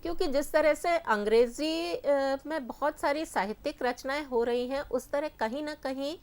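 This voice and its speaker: A woman's voice: high-pitched, moderate pace, darkish tone. A woman teacher speaking as a guest on a discussion show, earnest and formal with hesitant restarts. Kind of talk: panel discussion answer.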